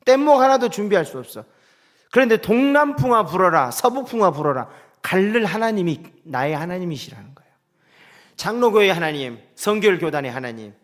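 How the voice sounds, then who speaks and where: High, lively-voiced male pastor preaching. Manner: dramatic, swings from loud preaching to soft asides. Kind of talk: sermon.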